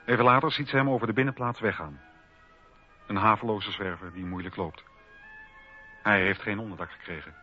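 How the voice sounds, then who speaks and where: A man's voice: on the low side, fairly even intonation, brisk, long pauses. A man narrating a documentary radio drama from a script. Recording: dull lo-fi radio recording. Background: music.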